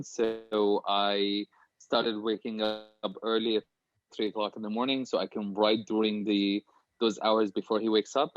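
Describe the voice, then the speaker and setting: A man's voice: lowish voice, no room sound, muffled recording. A man from Syria speaking informally and candidly as a guest author in a casual interview over a video call from a small home office.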